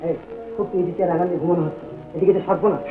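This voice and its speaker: An actor playing an excitable young husband who talks in quick, fussy exclamations, in a vintage film drama. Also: male voice, high-pitched, over music, close to an everyday voice. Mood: excited. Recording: tinny lo-fi old film sound.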